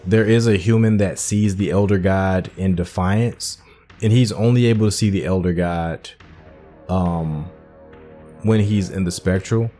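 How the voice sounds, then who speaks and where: Deep-voiced man doing casual game commentary. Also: steady tone, measured pace, mellow, faint music behind. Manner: informal, thinking aloud. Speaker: gaming host.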